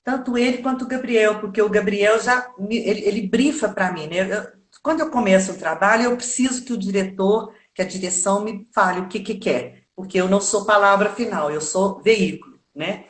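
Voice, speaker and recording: A woman who coaches actors' voices for theatre, talking reflectively in a casual interview and often pausing on tag questions. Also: mid-range voice, reverberant. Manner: reflective, thinks aloud with frequent tag questions. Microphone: video call.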